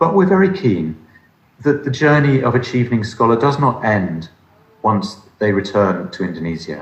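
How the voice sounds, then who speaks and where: At a moderate pace, a man speaks with a medium pitch and very wide pitch swings. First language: English (speaking Indonesian). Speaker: ambassador. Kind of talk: formal speech. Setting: webinar. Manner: formal; hesitant with fillers.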